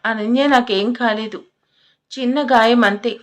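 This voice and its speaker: A woman's voice: fairly high pitch, fairly even intonation, measured pace, lightly acted. Storybook role: soothing, pleading young husband, voiced by a woman narrator. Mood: reassuring. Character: worried young husband, gentle and reassuring.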